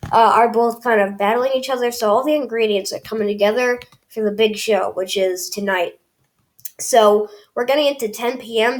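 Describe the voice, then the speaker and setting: A young woman with a cold, casually walking viewers through a weather forecast, chatty and full of fillers and restarts. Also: on the high side. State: has a cold, clears throat. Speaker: weather channel host.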